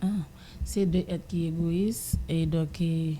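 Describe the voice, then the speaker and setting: A woman with a Haitian accent speaks in a casual radio discussion, in a very dark, slightly low voice. She is halting and repeats phrases while searching for words. Faint rumbling noise sits behind her. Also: steady tone.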